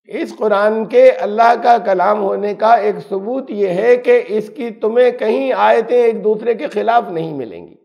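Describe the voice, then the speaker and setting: Male Quran teacher, high gravelly voice, emphatic and explanatory. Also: few pauses, darkish tone. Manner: explanatory, emphatic, uses everyday examples. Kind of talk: religious lesson.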